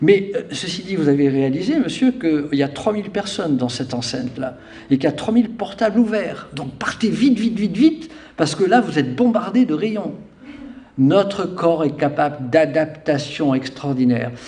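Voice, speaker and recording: With a dark, mellow tone and a fairly high pitch, a man speaks at a moderate pace through very wide pitch swings. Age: 60s. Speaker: Chinese medicine practitioner. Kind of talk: interview.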